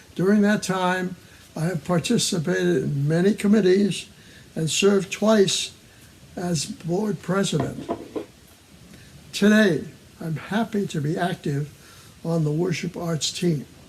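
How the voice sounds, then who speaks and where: Amid noticeable background noise, a man with a high voice speaks at a fairly slow pace, leaving long, frequent pauses, with ordinary pitch variation. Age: 80s+. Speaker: church lay leader. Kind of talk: worship service chalice lighting. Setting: at home, online church service.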